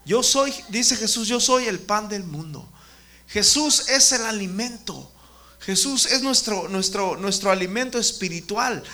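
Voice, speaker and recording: A man's voice: sits high, expressive, unhurried, pushed and bright. A man giving a children's sermon, often stopping to question the kids by name. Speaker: children's ministry preacher.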